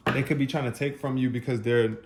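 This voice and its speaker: A man giving an animated, spontaneous tarot reading, talking straight to his viewers and laughing often. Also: mid-range voice, fast talker, background noise. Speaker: tarot reader.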